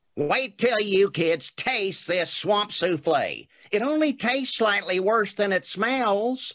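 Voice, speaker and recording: A cartoonish character voice, fairly high in pitch, moves at a fairly slow pace with hardly any pauses. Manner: folksy, excitable.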